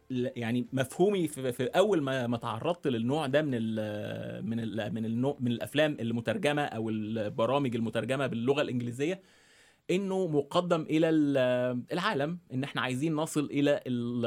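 A man from Egypt with a Cairene Egyptian Arabic accent, a journalist guest on an interview podcast who pauses and restarts as he thinks. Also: mid-range voice, a little mellow. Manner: thoughtful, many hesitations and restarts. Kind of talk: conversational interview. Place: radio studio.

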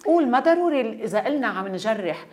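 A woman's voice: fairly high pitch, very animated, fast, darkish tone. A woman with a Lebanese Levantine Arabic accent interviewing a guest on television in a direct, pressing, conversational way with short prompts.

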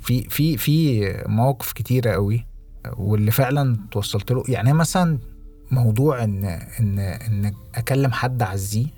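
A young Egyptian man co-hosting a podcast, talking reflectively with halting restarts and English phrases mixed in. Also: mid-range voice, mellow, husky, soft background music. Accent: Egyptian Arabic. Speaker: podcast co-host. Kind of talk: casual podcast conversation.

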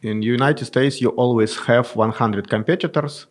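A man with a Russian accent answering interview questions as a company founder, speaking conversational, halting non-native English. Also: mid-range voice. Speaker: guest, tech company founder and CEO.

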